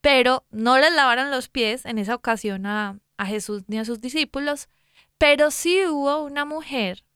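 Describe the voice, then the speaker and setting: A woman's voice: a little high, a bit bright, smooth, no echo, clean studio sound. A woman co-hosting a casual faith talk, retelling a Bible story in a chatty, folksy way with lots of "pues" asides. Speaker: Christian talk co-host.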